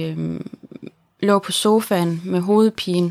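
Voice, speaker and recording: The delivery comes at a very slow pace in a monotone, flat intonation. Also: woman. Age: 30s. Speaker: patient with chronic illness. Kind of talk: personal interview. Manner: hesitant, many fillers.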